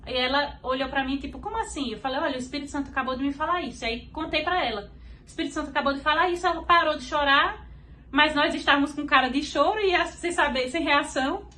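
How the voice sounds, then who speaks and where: A woman's voice: sits high, quick pace, pushed and bright. A woman from Brazil with a Brazilian Portuguese accent, a podcast guest giving an earnest faith testimony and acting out what others said.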